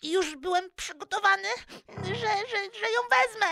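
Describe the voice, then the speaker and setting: A woman's voice: very high voice, normal speed, bright, forceful tone, soft background music, exaggerated voice. A woman playing a timid, anxious Eskimo boy who hesitates and stammers in a children's audio play. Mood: anxious, apologetic. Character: timid, easily frightened little Eskimo boy Eurydek.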